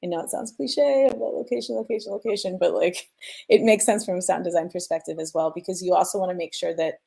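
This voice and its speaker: A woman's voice: fairly low pitch, fairly even intonation, fast talker, creaky, mellow, husky. A woman explaining her work as a sound designer in an informal, conversational way, thinking aloud and stressing key points. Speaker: sound designer sharing mixing advice.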